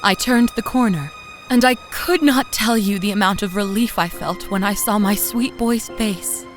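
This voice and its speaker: An actress playing a loving, anxious young mother, narrating her memories in an expressive, conversational way for a scripted audio drama. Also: medium pitch, normal speed, lightly acted. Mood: fond, relieved. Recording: faint music behind narration.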